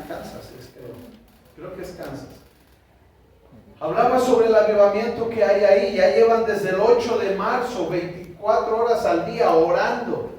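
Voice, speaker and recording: A man with a Mexican Spanish accent preaching a sermon as pastor, animated, acting out conversations with shifting voices. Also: high-pitched. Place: church sanctuary. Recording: echoey church hall, distant mic, faint noise.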